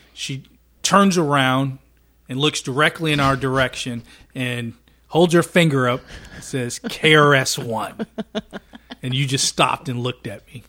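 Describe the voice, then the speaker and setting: A man speaks at a medium pitch with ordinary pitch variation and a bright, sharp tone. His loudness swings a lot, and he leaves long, frequent pauses. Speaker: podcast host. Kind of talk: casual chat. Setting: studio. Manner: animated.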